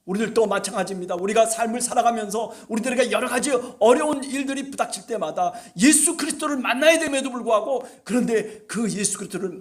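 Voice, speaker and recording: At a church service, a male pastor preaches an impassioned sermon, urging on his listeners and sometimes rising to shouts. His voice sits high.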